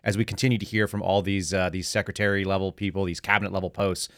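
Fast-talking male podcast host, dry studio sound. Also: low voice, level tone, a bit bright, dry recording. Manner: informal, sardonic. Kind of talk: casual podcast interview.

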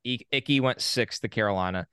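A man's voice: mid-range voice, a little fast, smooth, no echo. Opinionated man talking sports, dry sound. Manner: opinionated, lists facts in a steady run. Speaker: podcast co-host. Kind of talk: casual sports chat.

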